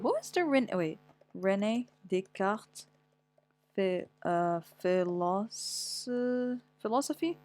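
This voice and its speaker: A woman's voice: a little high, no room sound. Rambling, foul-mouthed young woman. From Morocco. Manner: rambling and blunt, heavy swearing, reacting to what she reads. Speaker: vlogger. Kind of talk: casual chat, reading aloud.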